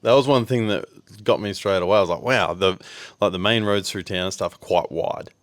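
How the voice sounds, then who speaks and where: A man's voice: lowish voice, brisk, no echo, clean studio sound. A laid-back Australian man from Western Australia, co-hosting a podcast in casual chat and rambling with fillers. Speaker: podcast co-host.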